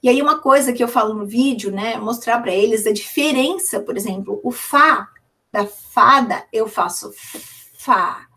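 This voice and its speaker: A woman's voice: a little high, a bit bright. Brazilian woman teacher, reassuring and slightly distant. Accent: Brazilian Portuguese. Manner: reassuring, repeats sounds slowly to demonstrate. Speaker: literacy teacher answering viewer questions. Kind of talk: casual live Q&A teaching.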